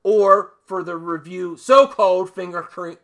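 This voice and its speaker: A man delivering an opinionated video commentary in an emphatic manner, leaning on dramatic pauses and repeated phrases. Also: high-pitched, a bit bright. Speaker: host of a movie commentary channel.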